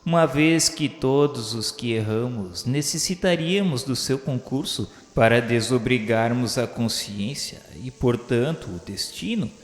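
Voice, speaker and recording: A Brazilian man narrating a radio drama in a formal, literary style, measured and solemn. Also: mid-range voice, lively intonation. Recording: roomy echo with long reverb.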